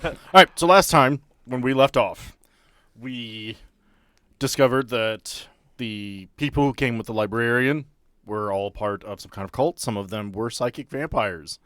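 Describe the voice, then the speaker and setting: A man with a mid-pitched voice hosts a tabletop game podcast as game master. He shifts between casual banter and storytelling narration. The sound is dry and close. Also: unhurried, fairly bright tone, clear, resonant tone, no echo.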